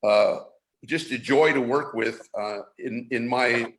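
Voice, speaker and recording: A man's voice: mid-range voice, takes it slowly, noisy background. A middle-aged man from San Francisco hosting a live online show, talking casually with many restarts and fillers. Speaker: show host. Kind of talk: casual live-stream talk.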